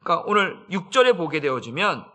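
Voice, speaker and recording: A male pastor preaching a dawn sermon in church, swinging between loud, urgent bursts and soft, low asides. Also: sing-song, fast. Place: church sanctuary.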